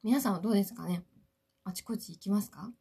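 A woman hosting a solo podcast, chatting politely and playfully to her listeners from a quiet hotel room. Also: medium pitch, fast, vocal fry, slightly rough. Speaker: podcast host, actress. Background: faint classical Ave Maria music.

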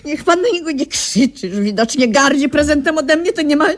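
An actress playing a doting, easily offended old aunt in a radio comedy, speaking theatrically and sing-song. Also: female voice, sits high, animated, brisk. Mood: fussy, doting. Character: doting, touchy old aunt giving odd gifts.

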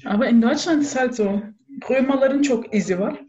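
A woman's voice: high voice, brisk, dark tone. Casual conversational woman, mixes in phrases, slightly lo-fi sound. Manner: mixes in German words and phrases. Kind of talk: casual chat.

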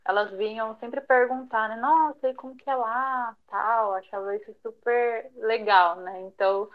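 A woman's voice: on the high side, fairly even intonation, unhurried, phone-quality sound. A young woman, a podcast guest talking casually with lots of fillers and light laughs. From São Paulo, Brazil. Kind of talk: conversational interview.

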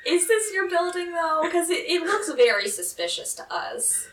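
A woman's voice: very high voice, big pitch swings, normal speed, fairly bright tone. A woman playing a tabletop game, chatting casually with lots of questions and some swearing. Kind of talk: casual chat. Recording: distant, echoey, noisy room.

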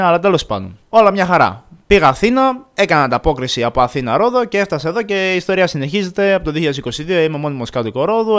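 Animated young Greek man telling a story. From Greece. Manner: animated, acts out quotes with jumps in pitch. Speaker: podcast host. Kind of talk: casual storytelling.

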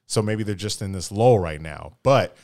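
Animated man ranting about football, low voice. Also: moderate pace, no echo, clean studio sound. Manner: animated, crude slang, talks to players as if present. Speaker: podcast co-host. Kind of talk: casual sports chat.

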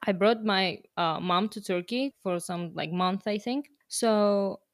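A woman's voice: medium pitch, slow pace, dry recording. Woman, interview guest, chatty, many fillers, laughs often, dry close sound. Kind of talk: casual conversation.

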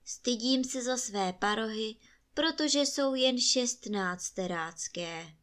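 A gentle, downcast male stag in a bedtime storybook, speaking slowly and a little higher than plain talk, as a woman reader puts him on. He sounds sorrowful. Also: animated. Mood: sad. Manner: sorrowful, slow.

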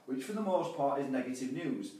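A man's voice: medium pitch, animated, a little fast, warm tone. A man, a life and business coach, speaking earnestly as a guest in an interview, often repeating words as he restarts. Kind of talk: podcast interview. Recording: echoey room, mic far off.

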